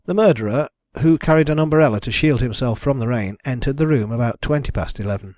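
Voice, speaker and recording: In a dry audiobook recording, a male narrator voices a methodical detective who lays out his deductions with calm assurance. His natural, mid-pitched delivery is measured and precise, with an assured, reasoning mood.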